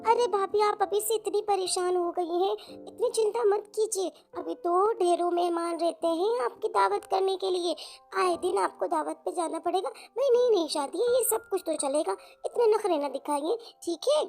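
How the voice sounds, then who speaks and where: A woman's voice: very high-pitched, normal speed, gravelly, darkish tone, voice pushed up. A woman putting on a sassy cartoon teen girl. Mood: teasing. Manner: teasing, sassy. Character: cheeky teenage sister-in-law, sassy, teasing. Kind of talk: Hindi cartoon voice acting. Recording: background music.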